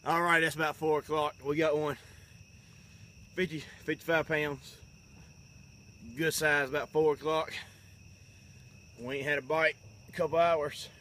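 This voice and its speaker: A man's voice: a little high, flat delivery, a little slow, long pauses, a bit bright, distant mic. Folksy man on a night riverbank. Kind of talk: casual outdoor vlog narration. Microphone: phone camera held nearby. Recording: faint outdoor noise, crickets.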